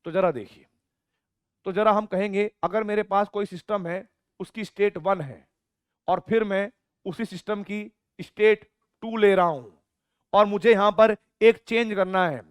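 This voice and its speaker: A man teaching a physics lecture for exam students, playfully asking questions and answering them himself, dictating definitions slowly and swinging between loud calls and soft asides. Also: high voice, steady tone, clear, resonant tone, no room sound, clean studio sound.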